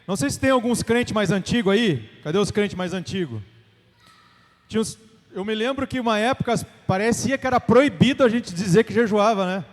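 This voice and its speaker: High-voiced Brazilian deacon preaching. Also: male voice, a little fast. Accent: Brazilian Portuguese. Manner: emphatic, repeats key phrases, calls for congregation response. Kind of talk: sermon. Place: church sanctuary. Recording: long church-hall reverb.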